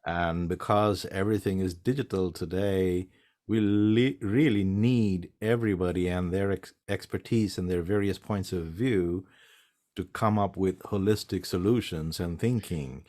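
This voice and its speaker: A man's voice: low voice, fairly even intonation, a little slow, a little mellow. Male host, welcoming, enthusiastic, video call interview.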